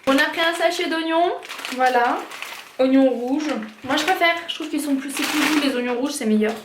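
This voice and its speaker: A woman's voice: sits high, normal speed. A woman from France in her thirties, chatting casually through a shopping haul with lots of fillers and hesitations. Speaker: vlogger. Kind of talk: casual product haul chat. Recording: echoey room, faint noise.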